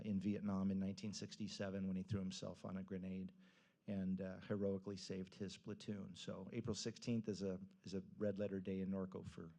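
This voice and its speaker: Low-voiced man, even-toned public speaker. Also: creaky. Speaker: public commenter at a city council meeting. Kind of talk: informal prepared public remarks.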